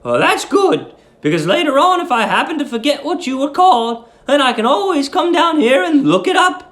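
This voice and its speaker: Man putting on a high, cooing elderly landlady. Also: big pitch swings, normal speed, fairly bright tone, heavily acted. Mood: coy, gentle. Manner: polite, cooing, theatrical. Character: sweet, eerie elderly English landlady.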